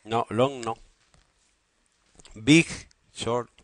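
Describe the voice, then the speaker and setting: A man's voice: medium pitch, very slow. A man teaching English grammar in a classroom, teasing and bantering with his students. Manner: banters and teases students, joking about football. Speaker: secondary school English teacher. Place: school classroom.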